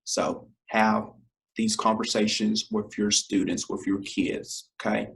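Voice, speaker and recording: Hoarse young man hosting an education podcast. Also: level tone, slow, a bit bright. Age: young adult. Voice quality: scratchy, deep. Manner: direct, repeats key points, addresses parents as y'all. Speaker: podcast host. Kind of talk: casual educational monologue. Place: home living room, indoors.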